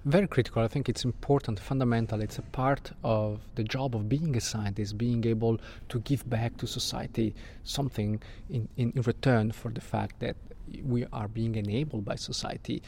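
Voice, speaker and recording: A man's voice: mid-range voice, steady tone, normal speed, few pauses, a little mellow, slight background noise. A middle-aged man from Switzerland, answering interview questions as a guest astrophysicist and often repeating words as he restarts.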